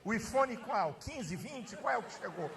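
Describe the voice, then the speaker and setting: Brief: man putting on an overindulgent mom-or-dad voice, soft and fussy, high and bright. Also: lively intonation, normal speed, creaky, soft background music, heavily acted. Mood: fussing. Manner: soft, fussing, pleading. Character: doting, whiny parent spoiling a crying child.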